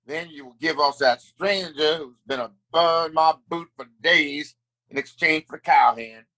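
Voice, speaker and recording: A smug frontier town boss, acted by a man, with a high male voice. He is a theatrical, mock-polite villain in a Western audio drama. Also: a little slow, bright, forceful tone. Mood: menacing. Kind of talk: audio play Western acting.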